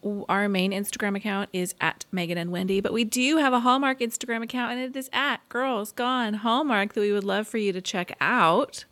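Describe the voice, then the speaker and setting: A woman co-hosting a casual podcast, speaking in a calm, measured way and laying out figures matter-of-factly. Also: mid-range voice. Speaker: podcast co-host. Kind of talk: casual chat.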